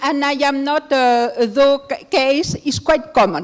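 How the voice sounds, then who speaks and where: A woman with a French accent talks at a fairly slow pace and a high pitch. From France. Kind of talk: conference presentation. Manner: halting, many fillers.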